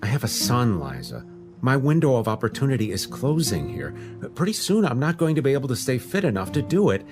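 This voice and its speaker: A determined husband and father played by a man in an audio drama. His medium-pitched voice swings expressively, with music underneath. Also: sing-song, brisk, lightly acted. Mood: insistent. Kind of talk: naturalistic audio drama acting.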